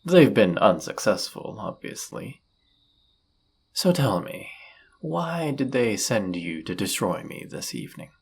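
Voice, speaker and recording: A man playing an arrogant demon prince of lust in an audio roleplay, speaking in a suave, condescending, flirtatious manner with a husky, gravelly voice. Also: on the low side, very animated, measured pace, exaggerated voice. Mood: mocking, haughty. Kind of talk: scripted audio roleplay addressed to the listener.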